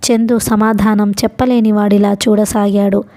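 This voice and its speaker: Mellow-voiced woman narrating a novel. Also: mid-range voice, little pitch movement, normal speed. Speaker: audiobook narrator.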